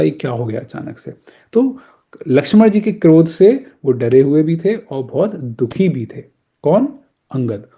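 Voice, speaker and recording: A man teaches scripture on a video call, with a husky, deeply mellow voice pitched a little high. He explains patiently and repeats his phrases. He stops to ask himself questions and chants the verses slowly. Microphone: online video call.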